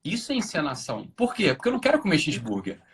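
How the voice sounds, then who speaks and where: A man hosting a casual live-stream conversation with a Brazilian Portuguese accent, animated, jumping into silly voices to make his point. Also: a little high, very fast, husky. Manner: animated, acts out silly voices mid-explanation. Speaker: host.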